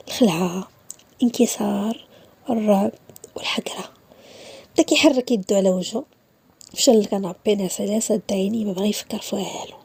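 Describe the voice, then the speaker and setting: A woman's voice: fairly high pitch, gravelly, dark tone, breathy edge, dry recording. A woman with a Moroccan accent narrating a dramatic story, dipping into whispers at tense moments.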